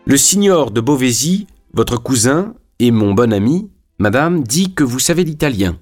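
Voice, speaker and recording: A man's voice: mid-range voice, big pitch swings, normal speed, a little mellow, soft background music, pitched above the performer's own voice. A man voicing a cheerful young Neapolitan singer with a playful, exaggerated Italian accent. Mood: gay, playful. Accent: Italian, played up. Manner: merry, playful storytelling.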